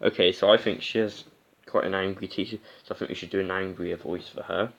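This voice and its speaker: A man's voice: low-pitched, fairly even intonation, a little fast, a bit bright, highs cut off. A man hosting a let's play, chatting casually and reading a visual novel aloud. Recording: music behind the voice. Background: music.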